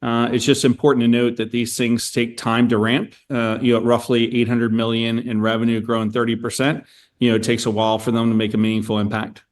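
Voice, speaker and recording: Male corporate executive, average pitch, businesslike and measured, earnings-call delivery. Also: flat delivery. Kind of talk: prepared corporate remarks and answers to analysts.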